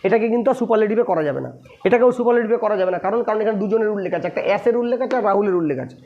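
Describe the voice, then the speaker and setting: A man's voice: high-pitched, rapid-fire. A man with a Bengali accent teaching English grammar, repeating points and asking his students rhetorical questions. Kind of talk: explaining lesson to students. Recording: dull lo-fi recording.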